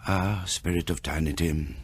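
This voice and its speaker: An actor as the grave narrator of a radio drama, telling the story in a measured, solemn, dramatic way. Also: male voice, deep voice, steady tone, husky. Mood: solemn reverence.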